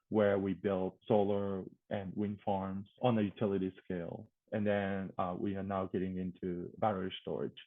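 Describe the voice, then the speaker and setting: A man from Japan with a Japanese accent, answering casually as an interview guest, with hesitant phrasing and searching pauses. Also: deep voice, no echo. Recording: thin phone-like call audio.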